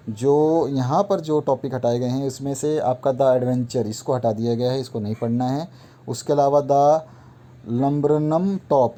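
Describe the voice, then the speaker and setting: Male tutor for a recorded lesson: mellow, unhurried, repeats each point as he works down the list. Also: mid-range voice. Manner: repetitive, instructive, walks through a list item by item. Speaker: teacher. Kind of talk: explaining a syllabus to students.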